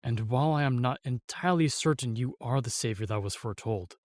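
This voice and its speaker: A man playing a steadfast, protective royal guard, formal and measured, in a fantasy audio drama. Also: medium pitch, a little mellow, no echo, natural voice. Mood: earnest, solemn.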